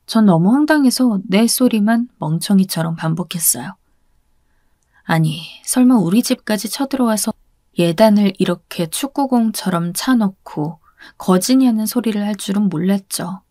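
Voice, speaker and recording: A woman's voice: medium pitch, expressive, normal speed, mellow, dry recording, clean studio sound. A woman narrating a radio story in the first person, in a confiding tone.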